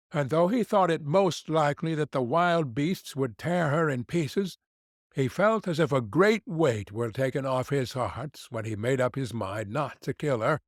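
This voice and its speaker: A man narrating a fairy tale for an audiobook in a measured storytelling manner. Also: medium pitch, no room sound, studio quality.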